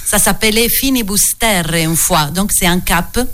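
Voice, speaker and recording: A woman's voice: medium pitch, a little slow, a bit bright, a little hiss or hum. An Italian woman from Apulia, a guest artist in a French radio interview, speaking with an Italian accent in a precise, poetic way and correcting the host. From Italy, Apulia.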